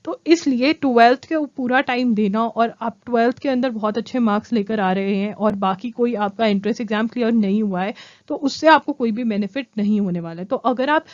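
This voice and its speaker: A woman's voice: a little high, a little fast, no echo, highs cut off. Direct young woman coaching students. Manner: direct, repeats key points, checks in with "ठीक है?". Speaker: exam coaching educator. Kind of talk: Hinglish exam-prep lesson to camera.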